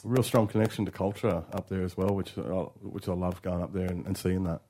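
Dark-voiced Aboriginal Australian man hosting radio. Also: low voice, fairly even intonation, fairly quick. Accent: Aboriginal Australian English. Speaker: radio host, interviewer. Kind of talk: conversational radio interview. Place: radio studio.

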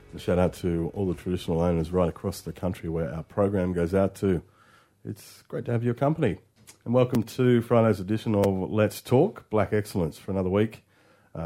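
A man speaks with an Aboriginal Australian English accent. His voice is fairly low and very mellow, with a dark tone. He hosts a radio interview in a conversational way. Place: radio studio.

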